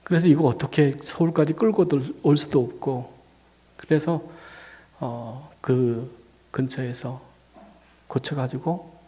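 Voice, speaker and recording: Long church reverb surrounds a male senior pastor recounting a personal story in his sermon in the sanctuary. His mellow, medium-pitched voice moves slowly with frequent pauses, casual in tone but climbing to emphatic peaks on the main points. He is battling a cold and feels dizzy.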